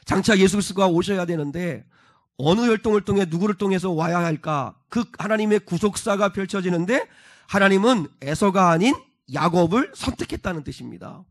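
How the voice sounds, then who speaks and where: A pastor preaches in a church, his voice sitting high for a man. He explains a passage step by step and keeps putting questions to the congregation. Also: lively intonation, fairly quick. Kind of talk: sermon. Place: church sanctuary.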